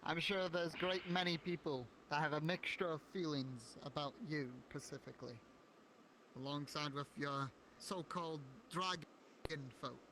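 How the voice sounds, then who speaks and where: A man's voice: a little high, unhurried, background noise. A man playing a distrustful, indignant town survivor in an improvised fantasy roleplay, theatrical and accusatory. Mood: suspicious.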